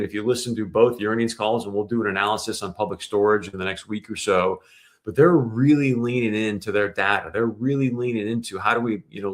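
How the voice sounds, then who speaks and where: A man's voice: fairly low pitch, fairly bright tone. A man hosting a show, giving conversational, explanatory industry commentary with emphasis. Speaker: show host.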